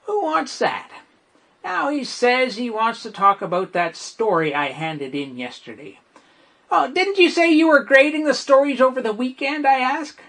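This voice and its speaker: A man's voice: extremely high pitch, exaggerated voice. A man playing a chatty, self-assured teenage schoolboy in a wry comic stage monologue. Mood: put out. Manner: animated, wry, conversational storytelling.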